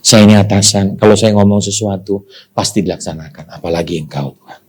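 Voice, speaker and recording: Indonesian pastor preaching with a mellow voice. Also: male voice, lowish voice, brisk, a little hiss or hum. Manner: animated preaching, calls to the congregation. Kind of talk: sermon.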